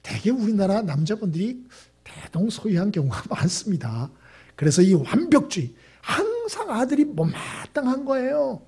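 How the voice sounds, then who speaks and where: Male pastor, middle-aged, Sunday sermon, church sanctuary. High, dark, mellow voice. Storyteller who acts out the lines of the people in his stories. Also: very animated, moderate pace, slightly rough. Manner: storytelling, acting out quoted family dialogue; asks the congregation rhetorical questions.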